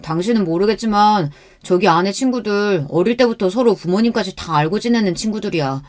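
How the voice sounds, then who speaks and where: A woman's voice: medium pitch, a little fast, a little mellow, close to an everyday voice. A spineless young husband who snaps back at his wife in a whiny, defensive way, as a woman reads him out. The voice stays close to an everyday speaking voice and fits a storybook-style radio tale. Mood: irritated.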